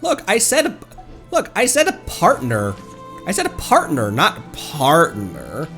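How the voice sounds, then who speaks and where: A man's voice: on the high side, huge pitch swings, slow, fairly bright tone, soft background music. A man giving casual, playful reaction commentary as a game streamer, with wry asides.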